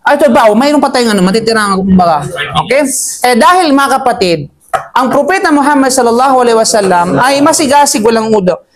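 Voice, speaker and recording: A woman giving a Quran commentary lesson to a live group, lively and chatty, who chants verses quickly and jokes with her listeners. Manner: lively, chatty teaching voice that swings up high for emphasis; chants Arabic verses quickly between explanations. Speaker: Islamic teacher.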